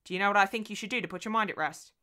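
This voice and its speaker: A woman's voice: mid-range voice, rapid-fire, sharp tone, lightly acted. Woman reading as a breezy, teasing husband. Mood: light, reassuring. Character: scoffing, good-humoured young husband, breezy and reassuring. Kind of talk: audiobook character voice.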